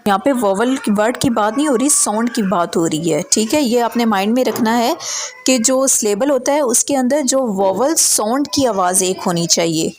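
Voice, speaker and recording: A woman English teacher giving a recorded lecture on phonetics, explaining step by step, reading definitions slowly and often checking that students follow. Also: on the high side, expressive, a little mellow, a little hiss or hum.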